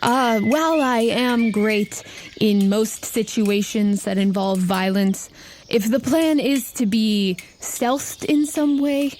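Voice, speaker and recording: A woman's voice: on the high side, slow pace, darkish tone, a little hiss or hum. A woman voicing a proud, formal steed companion in a tabletop game. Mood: formal, measured. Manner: formal, stately wording.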